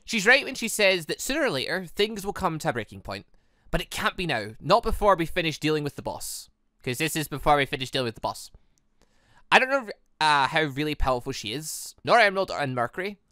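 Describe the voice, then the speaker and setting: A man's voice: on the high side, big pitch swings, brisk, pushed and bright, no echo, studio quality. A British man hosting a gaming playthrough, rambling and musing aloud as he gives casual commentary. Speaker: gaming video host.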